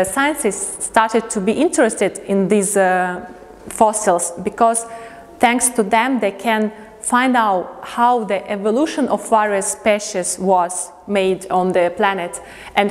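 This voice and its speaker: A woman from Latvia gives a prepared lecture as an artist in English, halting as she looks for words. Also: medium pitch. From Riga, Latvia. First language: not English. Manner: halting, pausing to find words. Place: indoor museum lecture space. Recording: long reverberant hall.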